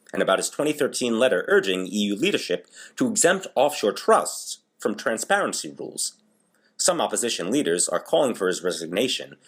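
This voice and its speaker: A man's voice: fairly low pitch, husky. A man reading scripted news briefs as a voice-over artist in an audition.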